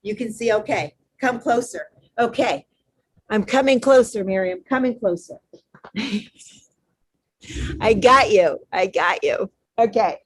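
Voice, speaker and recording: A woman teaching a live online yoga class, cueing poses step by step in a loud, encouraging, chatty way over a video call. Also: a little high, takes it slowly, long pauses, slight background noise. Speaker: yoga instructor.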